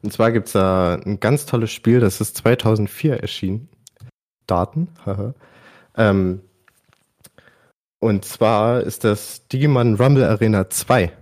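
With a fairly low pitch and a darkish tone, a man appears as a podcast guest talking about his favourite video games. He keeps it casual and informal, dropping youthful slang.

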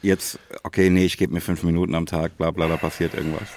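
A man's voice: sits low, level tone, fast talker, a little mellow, dry recording. A man co-hosting a podcast in casual banter, with a teasing, dry way of talking. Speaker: podcast co-host.

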